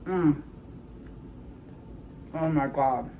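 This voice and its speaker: Chatty woman savoring food, lower voice. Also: very slow, mellow, lo-fi sound, a little hiss or hum. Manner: chatty, savoring bites with frequent mm sounds. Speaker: home cooking vlogger. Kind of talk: casual chat while tasting food. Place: home kitchen.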